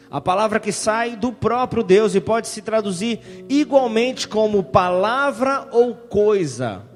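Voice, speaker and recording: A high-voiced man preaches as pastor, reading scripture passages and pausing to call for amens. His voice rings out in a hall with a long reverb, with soft music faintly underneath. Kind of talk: sermon.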